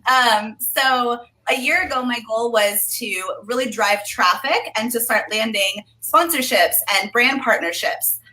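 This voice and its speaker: A woman's voice: a little high, measured pace, hardly any pauses, sharp tone, poor audio. A young woman, a travel blogger, giving casual advice on a video call with frequent ums. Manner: chatty, upbeat, frequent ums. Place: home room indoors. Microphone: video call webcam.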